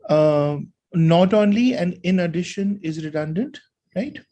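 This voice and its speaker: Husky-voiced tutor explaining test answers. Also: medium pitch, mellow. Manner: talks through reasoning, asks "right?" for checks. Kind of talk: explaining test answers while reading a passage aloud.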